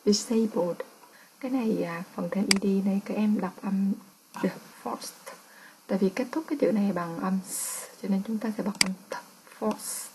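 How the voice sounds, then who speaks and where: A woman's voice: medium pitch, fairly quick, dark tone, a little hiss or hum, low-quality recording. A woman English teacher with a Vietnamese accent, patiently explaining test answers and repeating each word.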